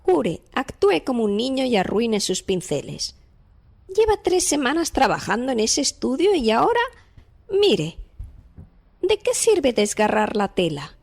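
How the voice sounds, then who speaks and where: A woman's voice: a little high, sing-song, measured pace, vocal fry, full character voice. A woman playing a frank, teasing young artist's model with a little anxiety, in a dramatized horror audiobook. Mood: scolding. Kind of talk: dramatized audiobook character acting.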